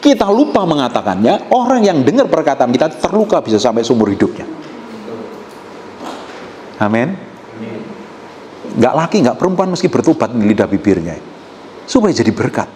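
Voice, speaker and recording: A male pastor, preaching a sermon and teasing the congregation, swinging between quiet asides and loud outbursts. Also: medium pitch, very animated, moderate pace, pauses often. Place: church hall with a congregation. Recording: echoey hall with faint room noise.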